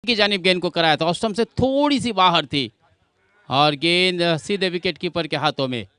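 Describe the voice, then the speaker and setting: Man doing live cricket commentary, high pitched and crisp, explains stuff like he's talking to friends. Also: normal speed, sharp tone, no echo. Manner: addresses viewers as friends, explanatory.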